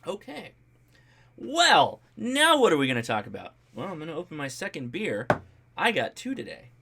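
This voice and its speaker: An American man hosting a casual livestream about a hobby, reading out and answering viewer comments in an animated, jokey, colloquial way. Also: fairly high pitch, normal speed, gravelly, background noise. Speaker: host of a ham radio livestream.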